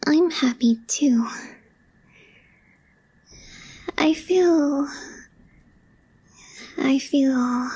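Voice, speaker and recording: Woman acting a slow, high, soft-spoken shy girlfriend. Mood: shy, content. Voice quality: soft, breathy, often whispering. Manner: hesitant, understated, slow with long pauses. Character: calm, reserved young woman coworker, shyly smitten girlfriend. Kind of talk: wholesome ASMR girlfriend roleplay.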